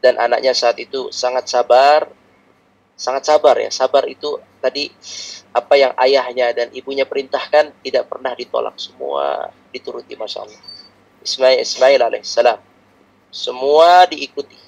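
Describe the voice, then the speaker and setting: A man preaching a religious lecture in a calm, explanatory teaching manner, repeating his points often. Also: medium pitch, moderate pace, gravelly, poor audio.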